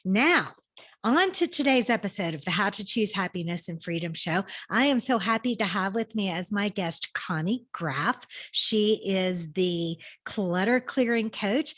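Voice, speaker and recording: A woman's voice: mid-range voice, fairly bright tone. A woman hosting her own podcast, upbeat and enthusiastic, sometimes stumbling over her words as she interviews a guest. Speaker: podcast host.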